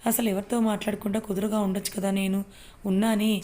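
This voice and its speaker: A woman's voice: mid-range voice, little pitch movement, fast, mellow, close to an everyday voice. A woman voicing a guarded young wife. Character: young married woman, guarded and quick to anger.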